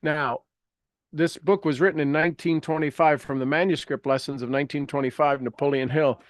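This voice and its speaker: Guy with a slightly high voice doing a preachy motivational book talk, rambly, repeats himself, pretty dry sound. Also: steady tone, brisk, no room sound. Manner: emphatic, preachy, repeats phrases and questions for effect; rambling, self-interrupting. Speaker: motivational teacher reading and commenting on a self-help book. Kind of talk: informal live teaching with read-aloud passages and asides.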